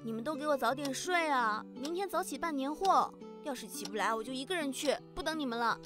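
High-voiced, bossy little sister played by a woman. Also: animated, a little fast. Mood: exasperated. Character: bossy, caring young younger sister. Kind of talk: fan audio drama acting. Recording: music behind the voice.

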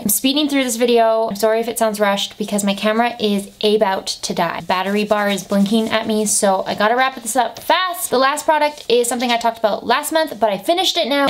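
A woman of twenty-five chatting casually about her monthly favourites, upbeat and full of "like" fillers, filmed by a camera at her bedroom desk. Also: mid-range voice. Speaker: beauty vlogger. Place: bedroom with desk and lamp, indoors.

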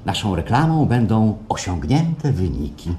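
An actor playing a suave, assured institute president in a radio play, courteous, salesmanlike and smoothly insistent, with a theatrical delivery. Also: male voice, lowish voice, sing-song, a little slow, mellow. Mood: smooth, persuasive. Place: performed live at a radio theatre festival. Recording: live stage radio play, faint noise.

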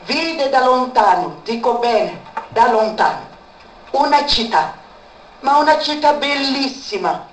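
A woman's voice: fairly high pitch, expressive, takes it slowly. Woman sharing a personal testimony, emphatic repetition; faint noise behind, reverberant space. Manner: repeats words for emphasis. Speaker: speaker giving a testimony. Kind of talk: emotional spoken testimony. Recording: echoey room, far from mic, faint background noise.

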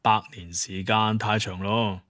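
An actor playing a confident, courteous but authoritative chief of monster hunters in an audio drama, talking in a measured, explanatory way. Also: male voice, on the low side, little pitch movement, fairly bright tone, no echo, studio quality. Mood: persuasive, explaining. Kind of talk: Cantonese audio drama dialogue.

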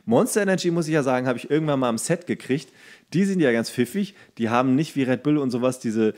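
A man's voice: medium pitch, lively intonation, quick pace, darkish tone. Slangy man chatting casually. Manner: slangy, colloquial, anecdotal. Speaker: podcast host. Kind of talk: casual comedic chat.

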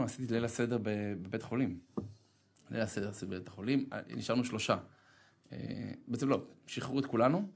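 A rabbi giving a sermon, telling a personal story with humor and acting out the voices of others. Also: male voice, creaky, slightly rough. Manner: animated, humorous, self-deprecating storytelling; acts out dialogue with sharp pitch jumps.

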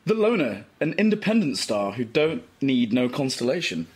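A man's voice: medium pitch, big pitch swings, moderate pace, slightly rough. A man voicing a bored, stubborn young woman who runs a space station, playful and sweary.

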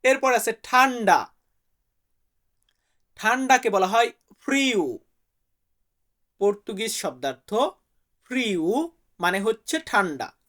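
Calling his viewers "brother," a man from Bangladesh with a high, somewhat bright voice goes through vocabulary words. He repeats each one so listeners can say it back.

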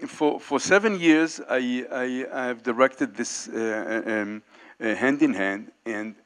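A man's voice: mid-range voice, a bit bright, clear, resonant tone. A man in his sixties speaking on a panel in a meeting hall, holding a handheld mic, with many fillers and restarts. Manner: halting, many fillers and restarts, gestures while talking. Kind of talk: unscripted panel remarks. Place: large indoor meeting hall, panel table.

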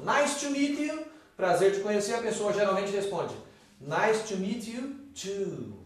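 Lively Brazilian man teaching in an echoey room. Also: high-pitched, distant mic. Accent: Brazilian Portuguese. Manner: lively and opinionated, slows to model English phrases. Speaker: English teacher. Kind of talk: video lesson explaining phrases.

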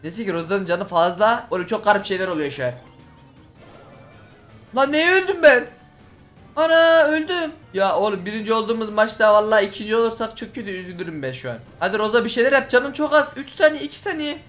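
A young man hosting a gaming channel, giving excited gameplay commentary, talking rapidly, repeating phrases and shouting at the game. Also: sits high, soft background music.

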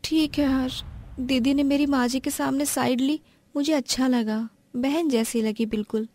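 A woman voicing an anxious, timid young bride in an animated family drama, with an Indian accent. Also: sits high, normal speed, no echo. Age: young adult.

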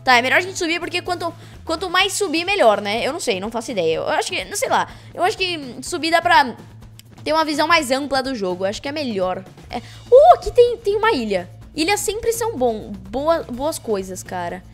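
Bubbly high-voiced young woman gamer. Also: brisk, soft background music. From Brazil. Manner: excitable, chatty, teasing opponents. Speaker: gaming YouTuber. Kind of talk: casual gameplay commentary.

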